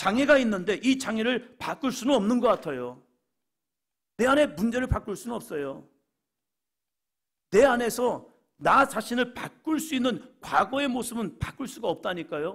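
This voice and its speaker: A man with an extremely high pitch speaks at a moderate pace with lively intonation and long, frequent pauses. The recording is very clean, with a silent background. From South Korea, Chungcheong (Nonsan). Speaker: pastor. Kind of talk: sermon. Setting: church.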